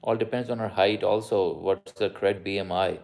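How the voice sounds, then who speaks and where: A man's voice: low-pitched, steady tone, moderate pace, gravelly, darkish tone. A man with a South Asian accent, a doctor chatting casually on a live stream, switching between Urdu-Hindi and English mid-sentence. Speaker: doctor answering live viewer questions.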